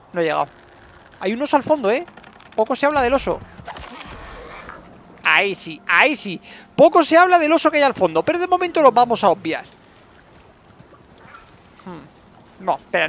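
A man commentating his survival game playthrough, excitable, shouting when fights turn chaotic. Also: high-pitched, gravelly, a little hiss or hum. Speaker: gaming YouTuber. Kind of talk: let's play commentary.

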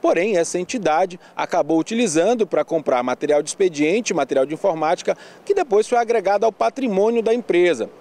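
A male reporter in his forties with a northern Brazilian accent, reading a news report in a steady, explanatory way. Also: high voice, brisk, hardly any pauses. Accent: Brazilian Portuguese, northern.

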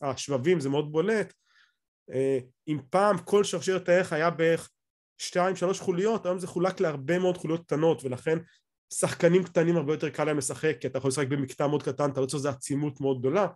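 An Israeli man in middle age speaks in a fairly high male voice. He lectures off the cuff over slides on a video call. His delivery is explanatory and somewhat halting, with phrases often begun again. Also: steady tone, darkish tone. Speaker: academic lecturer.

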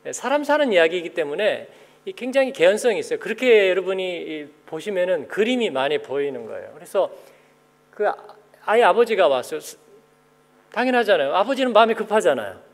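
A man's voice: high voice, brisk. A male pastor giving a conversational sermon, often asking the congregation questions and acting out the people he describes. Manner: animated, asks the congregation questions; acts out the people he quotes. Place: church sanctuary. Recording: long church hall reverb.

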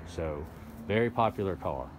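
A man's voice: deep voice, animated, moderate pace. A man casually narrating a walkaround video outdoors beside a house, rambling and restarting as he goes. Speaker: car video host. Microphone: handheld camera, speaker off screen. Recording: outdoor video with clear background noise.

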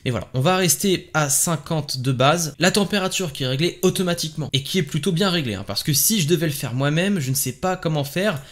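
A man's voice: fairly high pitch, a little fast, few pauses, a bit bright. A man giving a casual, enthusiastic product review from his home desk, chatting with lots of little fillers. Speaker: tech reviewer. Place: home desk setup with LED lights behind him.

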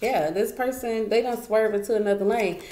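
A woman's voice: mid-range voice, moderate pace, warm tone. A woman doing a casual tarot card reading, chatty and emphatic, repeating phrases and laughing often. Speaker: tarot reader. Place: indoor room at a wooden table. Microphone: camera pointed down at the table, speaker off frame. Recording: echoey room, faint noise.

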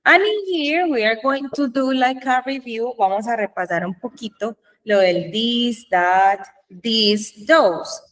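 A woman's voice: fairly high pitch, a bit bright, far from the mic, low-quality recording. A woman with a Colombian Spanish accent, teaching an English grammar lesson to a class and checking in with the students often. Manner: slow, drawn-out model sentences, frequent "¿Listo?" checks.

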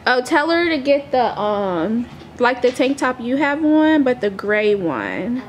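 A young mother vlogs from her home living room, chatting casually about family life and rambling with lots of ums. Her voice sits high and is very animated, though her pace is slow, with slight background noise.

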